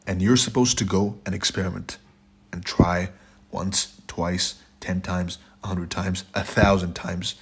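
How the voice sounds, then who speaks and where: Hoarse and raspy from a sore throat, the very deep-voiced trading instructor keeps a steady tone and a measured pace as he goes through his slides. His blunt style leans on short repeated lines, a habitual "right?" and the refrain "it's your fault."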